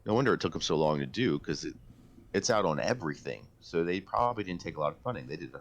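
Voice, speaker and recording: A man's voice: low-pitched, expressive, fast talker. A man co-hosting a casual podcast, talking about video games in an emphatic, enthusiastic way. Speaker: podcast co-host. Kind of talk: casual video game discussion.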